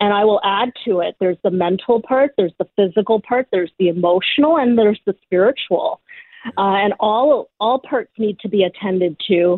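A woman's medium-pitched voice, a plain, everyday voice with ordinary pitch variation. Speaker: physician, guest. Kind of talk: radio interview.

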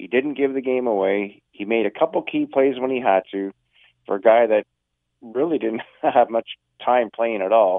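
Speaking at a moderate pace, a man has an unremarkable speaking voice of medium pitch with ordinary pitch variation. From Stony Creek, Ontario, Canada. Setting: phone call.

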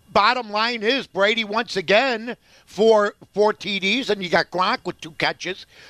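A man with an American accent speaks in a raised, projected voice, high-pitched with ordinary variation and a bright, sharp tone, in a dry, close sound with no echo. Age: 60s. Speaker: sports radio host. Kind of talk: casual chat.

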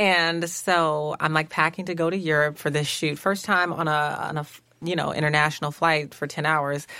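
A woman with an American accent, very deep and low in pitch, in a flat monotone, on a very clean recording with a silent background. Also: moderate pace. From Chicago, South Side. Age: 20s. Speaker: actress and musician. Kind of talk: casual interview.

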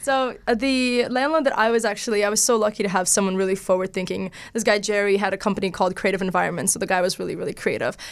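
A woman with an American accent talks at a medium pitch and a very fast pace, with hardly any pauses. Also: ordinary pitch variation. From Brooklyn, New York. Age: 30s. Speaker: startup founder. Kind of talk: interview.

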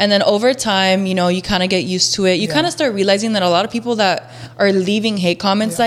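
Over noticeable background noise, a woman talks at a fairly quick pace. Her pitch is medium and her intonation lively. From Miami, Florida (Hialeah). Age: 20s. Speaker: social media influencer. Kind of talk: casual chat.

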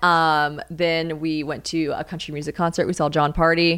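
A woman with a Southern US accent is heard in a very clean recording with a silent background. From US South. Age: 20s. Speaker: podcast host. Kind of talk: casual chat. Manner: animated.

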